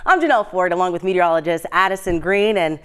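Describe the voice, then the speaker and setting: A woman's voice: on the low side, expressive, quick pace, fairly bright tone, smooth. A woman with an American accent reading scripted morning news as a television anchor in a studio.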